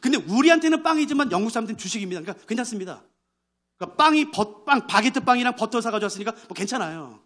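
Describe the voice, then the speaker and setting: A man's voice: very high-pitched, expressive, rapid-fire, fairly bright tone. A male pastor preaching a sermon, telling a story with great animation and acting out its characters' voices.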